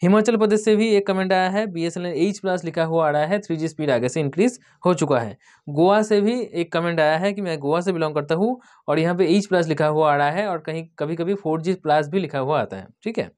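A man's voice: fairly high pitch, brisk, a little mellow. A man from India hosting a tech channel, casually going through viewer comments, spelling out place names letter by letter and often repeating "okay".

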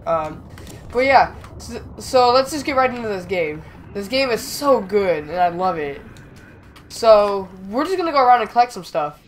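A young man with a slightly raspy voice from being sick, chatting excitedly as he plays and talks back to the game. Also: high voice, moderate pace, slight background noise. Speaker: gaming channel host. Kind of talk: casual gameplay commentary.

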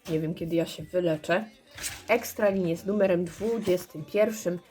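A hoarse woman calmly commenting while she scratches lottery cards and checks the symbols. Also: lowish voice, faint music behind. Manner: slow, murmured checking of symbols. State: hoarse, clearing throat. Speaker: scratch card vlogger.

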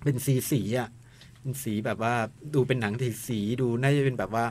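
A man's voice: medium pitch, normal speed, darkish tone. A man co-hosting a radio film show, chatting casually and rambling a little as he describes things.

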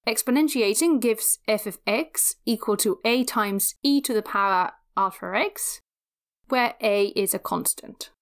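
A woman giving a scripted physics lecture, explaining step by step in a measured, methodical way. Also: mid-range voice.

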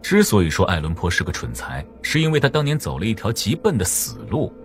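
A low-voiced, sly genius killer. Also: male voice, big pitch swings, fast. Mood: amused, superior. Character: sly, teasing, sulky male genius killer. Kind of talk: audiobook drama acting. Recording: music playing behind the voice.

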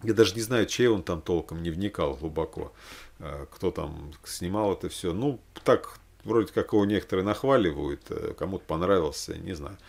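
A man in his forties with a fairly low voice chats casually to the camera. He rambles as he thinks aloud, breaking off for hesitant asides. It sounds like an unscripted home vlog. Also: animated, moderate pace, gravelly. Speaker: religious vlogger recommending films. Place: small room at home, indoors.

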